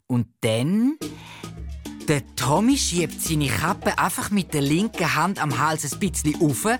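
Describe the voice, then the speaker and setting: A woman with a Swiss German accent reading a children's story aloud in a lively, expressive way, told in the first person. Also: deep voice, slow, music in the background.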